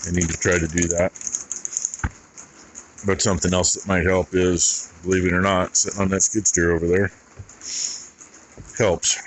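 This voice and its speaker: Middle aged farmer guy w deep voice, folksy rambling while doing chores, bit of noise behind him. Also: poor audio. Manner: rambling, folksy, thinking aloud. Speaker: farmer vlogger. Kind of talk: casual vlog talk while doing farm chores. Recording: noticeable background noise and rattling.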